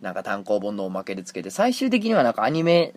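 A man with a Kansai accent talking casually on his own podcast, reading listener mail and often acting out quick exchanges. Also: lowish voice. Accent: Kansai Japanese. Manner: animated, jumps into acted quotes. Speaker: podcast host. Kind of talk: casual solo talk radio.

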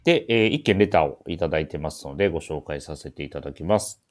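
A man's voice: a bass voice, lively intonation, quick pace. A man hosting a casual radio talk show, chatting with guests and reading out listener letters.

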